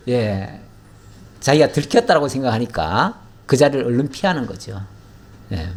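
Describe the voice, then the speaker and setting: A man's voice: medium pitch, vocal fry. A male pastor teaching a Bible passage in a conversational way, asking his listeners questions and reading the verses in an old formal register.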